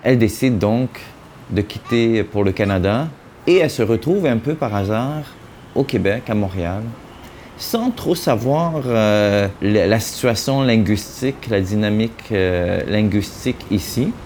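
A man in his forties, born in Hungary and with Hungarian as his first language, calmly recounts his arrival in an interview. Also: on the low side, measured pace, a little hiss or hum. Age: 40s. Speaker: author.

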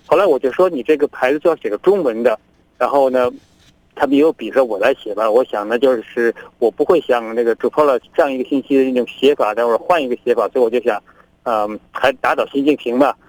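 A middle-aged man from China, a guest on a remote link, telling events in a lively way and acting out both sides of each argument. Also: mid-range voice, quick pace, dry recording, rough recording. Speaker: interview guest, activist. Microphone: remote connection.

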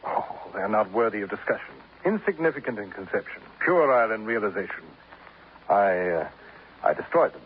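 A pompous, florid poet on old radio. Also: male voice, on the low side, sing-song, normal speed. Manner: grandiloquent, formal, addresses others as sir. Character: pompous, florid male poet, self-admiring and fussy. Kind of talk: 1950s radio drama acting. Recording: tinny, hissy old radio broadcast.

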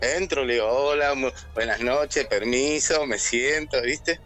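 Animated Argentine caller telling a story. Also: male voice, mid-range voice, a little slow, soft background music. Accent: Argentine Spanish. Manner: animated storyteller, acts out quoted voices. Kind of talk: telling a personal story on air.

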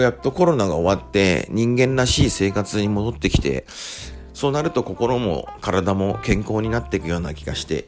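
Low-voiced guy chatting on the radio, voice bouncing up and down a lot, easygoing storyteller, soft music behind. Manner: chatty, relaxed storytelling with many fillers. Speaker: radio host and rakugo storyteller. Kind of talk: casual radio chat. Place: Japan.

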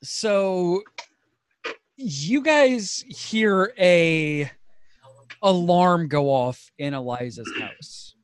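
A man narrating as game master, relaxed and laughing often, with frequent fillers. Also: high-pitched, very slow, smooth, no room sound.

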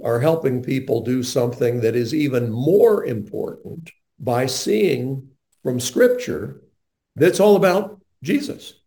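Earnest older male radio host, mellow tone. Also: mid-range voice, measured pace. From North Carolina, USA. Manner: earnest, animated storyteller.

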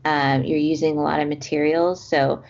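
A woman's voice: deep voice, flat delivery, moderate pace, creaky, darkish tone, lo-fi sound. A woman guest in a casual chat who explains her work thoughtfully, with many fillers. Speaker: guest, coffee roaster.

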